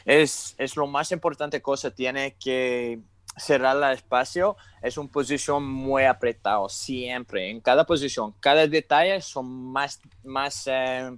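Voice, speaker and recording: A young man, a native English speaker, works his way slowly through Spanish, stopping often to hunt for the right word. His voice is smooth and clear, recorded dry and close through an earphone mic on a video call. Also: mid-range voice, steady tone, a bit bright, no room sound. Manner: hesitant, searching for words, many fillers; gestures while talking. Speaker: guest. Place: room with curtain, indoors.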